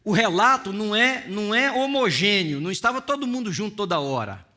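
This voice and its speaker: A middle-aged pastor preaching with passion, his voice pitched high and ringing bright. He swings between hushed asides and rising, emphatic peaks, acting out the scenes he describes. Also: animated, brisk. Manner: impassioned, dramatic, acts out scenes. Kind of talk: sermon.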